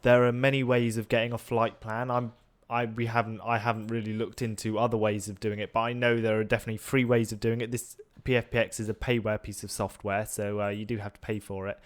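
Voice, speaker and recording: Smooth-voiced young man explaining casually. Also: fairly low pitch, level tone, fast talker. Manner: explanatory, hesitant, fillers. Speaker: co-host of a flight-sim tutorial.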